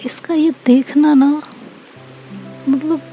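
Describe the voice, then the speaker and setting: A woman's voice: sits high, steady tone, slow pace, mellow, soft background music, pitched above the performer's own voice, rough recording. A woman voicing a young woman in love who teases, blushes and pleads, mixing English phrases into her speech. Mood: flattered. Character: young woman, teasing and shy lover, later apologetic.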